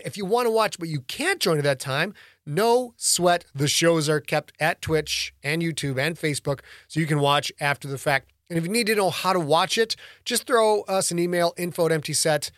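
A man's voice: on the high side, fairly bright tone, no room sound, clean studio sound. A man hosting and narrating his own podcast in a playful, theatrical way. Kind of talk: dramatic story reading and casual podcast talk.

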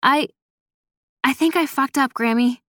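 A woman's voice: a little high, moderate pace, no room sound, studio quality, voice pushed up, lightly acted. A woman voicing a nervous, evasive young granddaughter with hesitant, informal speech in an audiobook. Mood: anxious, strained.

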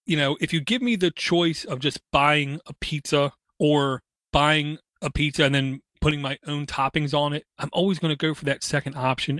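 This casual tech chat features a co-host whose voice is a little high and fairly bright, talking hardware with enthusiasm and folksy comparisons. The recording is dry and studio-clean.

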